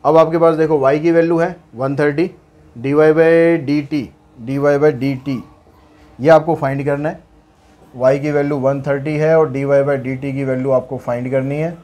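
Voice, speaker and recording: A man with a mid-range, slightly mellow voice teaches maths, with a faint hiss or hum on the recording. He talks through problems step by step in a chatty way, posing his own questions and answering them. He reads the English problem text slowly and deliberately.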